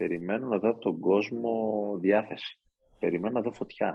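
Here is a man with an unremarkable speaking voice and a fairly low pitch. He keeps a moderate pace, with ordinary pitch variation. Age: 40s. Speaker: fitness educator and business owner. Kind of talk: casual interview chat.

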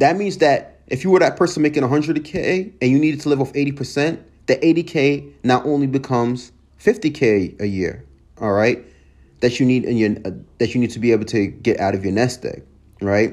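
A man with an unremarkable speaking voice, medium pitch and a fairly quick pace. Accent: American. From Long Island, New York. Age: 20s. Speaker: podcast host. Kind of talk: educational monologue. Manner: casual.

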